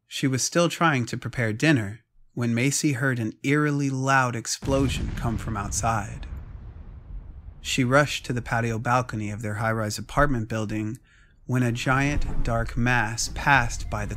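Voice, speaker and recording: A man's voice: medium pitch, fairly bright tone, slight background noise. A man narrating a scripted dramatic story.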